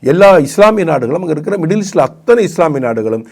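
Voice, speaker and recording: Male political pundit, fairly high voice, hammers rhetorical questions in a heated debate. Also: very animated, quick pace, vocal fry, warm tone. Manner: combative, repeats rhetorical questions, frequent self-restarts. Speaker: political commentator.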